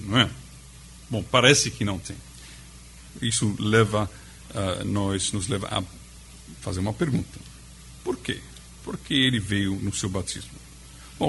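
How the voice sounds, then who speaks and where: Pastor teaching with a foreign accent. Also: male voice, mid-range voice, a bit bright, slight background noise. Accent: foreign accent in Portuguese. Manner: conversational, pauses and restarts, asks the audience questions. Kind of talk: Bible study teaching. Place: study room with a group.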